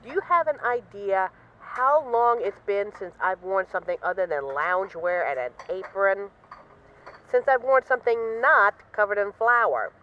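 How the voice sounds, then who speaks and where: A woman's voice: medium pitch, moderate pace, lo-fi sound, lightly acted. A woman acting as a bored, restless mafia boss who misses a partner, talking in a wry, dramatic, rambling way in an intimate voice-message roleplay. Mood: exasperated, wry.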